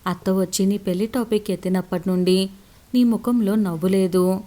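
A woman voicing a worried, loving father who asks his daughter soft, concerned questions in an audio story. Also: mid-range voice, steady tone, moderate pace, lightly acted.

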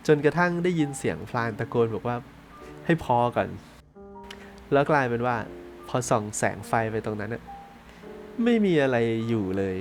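A man narrating a ghost story in a casual, chatty podcast style, dropping to hushed tones for suspense. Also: mid-range voice, animated, normal speed, soft background music.

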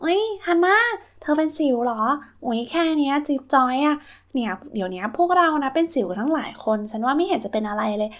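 A woman's voice: high-pitched, expressive, fast talker. A woman voicing an upbeat, reassuring schoolgirl friend in a children's toy story, breezy and chatty.

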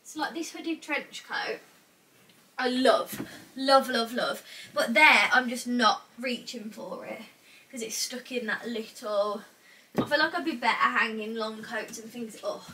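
A bright, fairly high-voiced young woman with a British accent chats away as she sorts her wardrobe, nasal and a bit stuffed up from a cold. She rambles in a relaxed, thinking-aloud way. The camera sits across a small bedroom, so she sounds slightly distant, with a faint hiss behind her. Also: measured pace. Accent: British English. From England. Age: young adult. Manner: chatty, thinks out loud, frequent "like". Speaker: vlogger. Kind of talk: casual chat to camera. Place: small cluttered bedroom wardrobe room indoors. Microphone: camera across the room.

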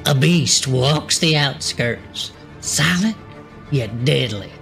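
Man doing a slow spooky show announcer. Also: medium pitch, expressive, gravelly, fairly bright tone, soft background music, exaggerated voice. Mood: ominous. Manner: slow ominous dramatic delivery.

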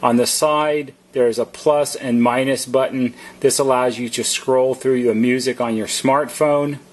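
A man's voice: mid-range voice, fairly even intonation, unhurried. A man who works as a service technician, giving an informal, plain-spoken product demonstration and explaining step by step.

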